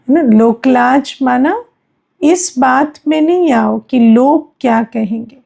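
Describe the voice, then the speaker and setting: A woman spiritual teacher giving an unhurried sermon-style reflection, explaining with everyday examples and often checking in with her listeners. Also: a little high, creaky, dark tone, breathy edge.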